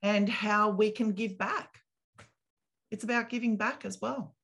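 A woman's voice: mid-range voice, steady tone, unhurried, fairly bright tone. A woman, a property consultant speaking earnestly and reflectively as an interview guest. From Australia. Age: 50s.

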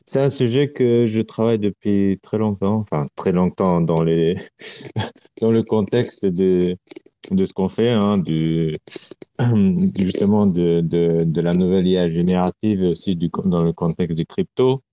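A man from Romania, a guest speaking in a halting way and searching for words, heard over a remote call connection. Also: sits low, mellow, dry recording. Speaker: artist guest. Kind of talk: casual interview talk. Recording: dull lo-fi call audio, dry.

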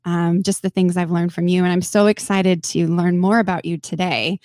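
A woman's voice: lowish voice, steady tone, moderate pace, no echo, studio quality. A woman hosting an interview in a casual chat, full of fillers and restarts. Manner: warm praise, many fillers and restarts. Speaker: podcast host and business owner.

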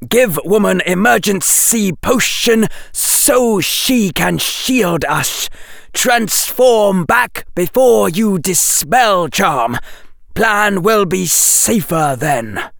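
A man putting on a haughty hissing snake with cut-short commanding phrases, raised higher than his narrating voice and drawn out very slowly. A dry, close reading with a gravelly edge. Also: a bit bright, no echo, heavily acted. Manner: clipped hissing commands, dropped small words. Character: cold imperious hissing snake, male teacher. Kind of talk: audiobook character voice.

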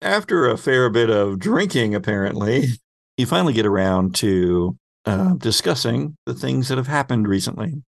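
Male game master, creaky voice recorded close and dry, conversational and wry. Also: medium pitch, lively intonation, normal speed, no room sound. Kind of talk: narrating a tabletop roleplaying game.

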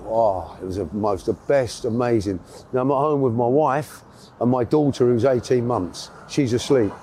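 A man's voice: medium pitch, moderate pace, warm tone, slight background noise. A middle-aged man with a South London accent, chatting casually as an interview guest and telling stories in an effusive, affectionate way, repeating phrases for emphasis. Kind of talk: casual anecdotal chat.

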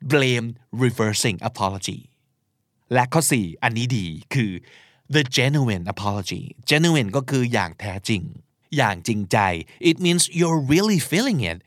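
A man's voice: medium pitch, no room sound, clean studio sound. A man who speaks Thai as his first language, hosting a casual podcast lesson, explaining English phrases and reading out examples in a playful way. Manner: switches between Thai and read-out English examples; playful, animated emphasis. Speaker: podcast host teaching English.

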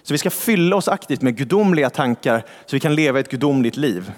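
A man's voice: mid-range voice, lively intonation. Man preaching in a reverberant church. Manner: conversational, rhetorical questions, quoting scripture slowly. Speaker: pastor. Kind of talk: sermon. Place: large church hall.

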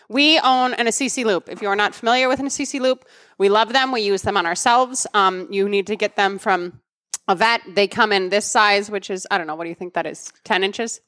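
A woman co-hosting a podcast in casual chat, talkative and quick to laugh. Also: mid-range voice, pushed and bright. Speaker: podcast co-host.

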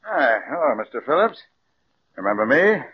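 A man's voice: a little high, big pitch swings, normal speed, a little hiss or hum. An actor playing a genial, sympathetic male factory owner in 1940s radio acting, heard on a dull 1940s radio broadcast. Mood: friendly. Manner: chatty, sympathetic.

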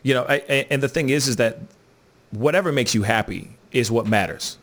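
A man's voice: medium pitch, fairly quick, a bit bright. A man hosting a casual talk, laid-back, often saying "you know what I'm saying". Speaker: host. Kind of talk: casual conversation.

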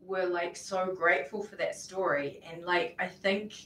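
A woman's voice: lowish voice, measured pace, fairly bright tone. A woman hosting a live podcast interview in a small office, chatty, with many ums and laughs. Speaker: podcast host. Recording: roomy, distant mic, faint noise.

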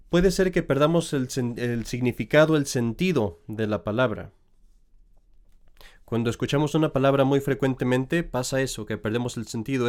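A man, a priest, reads scripture in a measured, solemn way and then preaches a sermon, now and then correcting himself mid-phrase. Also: medium pitch, darkish tone. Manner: measured, solemn reading with slips and restarts.

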